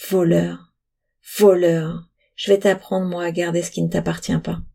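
A woman voicing a greedy, accusing rich landowner who shouts and rails, in a storybook reading. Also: fairly low pitch, little pitch movement, a little slow, vocal fry, full character voice. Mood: furious.

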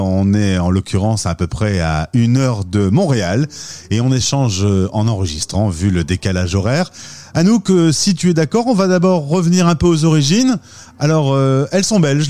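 Guy hosting a chat podcast, upbeat, leads with questions, mid-pitched voice. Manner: lively, upbeat, leading questions. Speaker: podcast host. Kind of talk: casual interview hosting.

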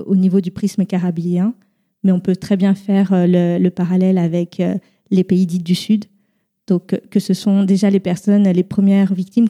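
A young woman from France and a mother, talking casually on a podcast, halting with many fillers. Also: mid-range voice, dark tone. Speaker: podcast guest. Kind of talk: casual round-table chat.

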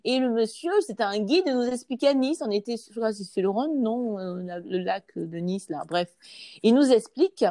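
A guest actress from Côte d'Ivoire speaks with an Ivorian French accent in a casual interview, her voice on the high side at a moderate pace. She is a lively storyteller who slips into other voices and accents. The studio-quality recording has no echo.

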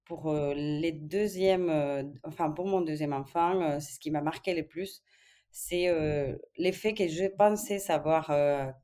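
A woman in her thirties with a notably low voice. She speaks as a podcast guest, halting and full of fillers and restarts as she finds her words. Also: a little mellow. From Spain. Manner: hesitant, many filler sounds and restarts. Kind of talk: casual conversational interview.

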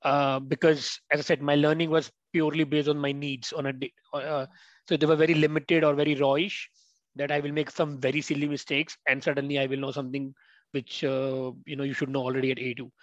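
A man's voice: a little high, little pitch movement, brisk, dry recording. A man from India, a guest speaking hesitantly with many fillers over a video call. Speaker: guest, former language student. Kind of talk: casual interview. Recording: dull, dry call audio.

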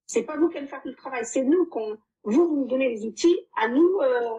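A woman's voice: sits high, lively intonation, brisk, warm tone, lo-fi sound. A woman in her fifties, of Portuguese origin, giving a heartfelt testimonial about her coaching with frequent hesitant fillers. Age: 50s. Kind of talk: emotional personal testimony.

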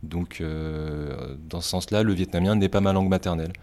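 A man explaining his ideas in an interview, measured and deliberate, pausing often. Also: low-pitched, darkish tone. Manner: measured, deliberate, many pauses. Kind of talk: reflective explanation.

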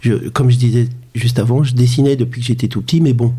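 A man in his fifties from France, a podcast guest talking in a halting, hesitant way with many fillers and restarts. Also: mid-range voice, steady tone, warm tone, slightly rough. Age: 50s. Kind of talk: conversational interview.

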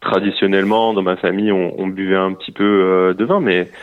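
A man in his thirties talks over a muffled phone line, his voice sitting fairly low. He hesitates a lot and restarts his sentences as he talks about running a wine estate. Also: a little fast, smooth. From Normandy, France. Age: 30s. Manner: hesitant, many fillers and restarts. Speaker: winery general manager. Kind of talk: phone interview. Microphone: telephone.

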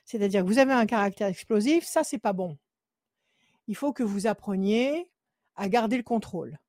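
A woman psychic takes a caller through a card reading. She presses the same advice over and over in a steady, mid-pitched voice. She sits close to a dry studio mic with no room sound. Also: moderate pace, dry recording. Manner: insistent, repetitive advice, counts cards under her breath. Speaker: psychic on a call-in show. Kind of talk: phone consultation with card reading.

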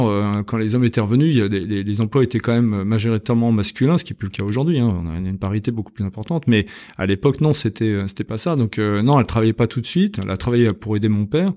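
A man's voice: fairly low pitch, fast, warm tone. Hesitant French businessman in his fifties. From France. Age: 50s. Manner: hesitant, many fillers and restarts. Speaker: company director. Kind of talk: casual interview. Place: company premises.

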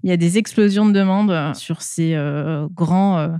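A woman answers interview questions conversationally through a face mask, halting often with filled pauses. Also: lowish voice, warm tone, clear, resonant tone, dry recording, clean studio sound. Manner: hesitant, halting delivery with frequent filled pauses. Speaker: interview guest, school staff working with companies and alumni.

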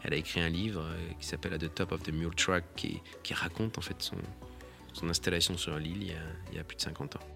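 A man, a photographer, giving a reflective and halting spoken account of one of his photographs, restarting his sentences often. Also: low-pitched, fairly even intonation, gravelly, over music. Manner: halting, with many restarts and pauses.

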